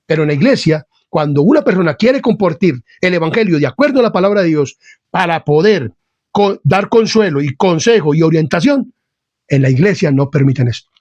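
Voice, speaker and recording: A man's voice: fairly high pitch, animated, brisk, no room sound, lo-fi sound. A man preaching an informal sermon to an online channel, blunt and hard-edged, who keeps addressing his listener as dear friend and brother. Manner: insists he is not angry while speaking forcefully. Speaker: lay preacher.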